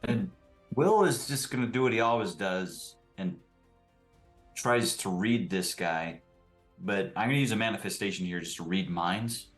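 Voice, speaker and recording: A man's voice: on the low side, moderate pace, soft background music. A man talking casually as a player in a tabletop role-playing game.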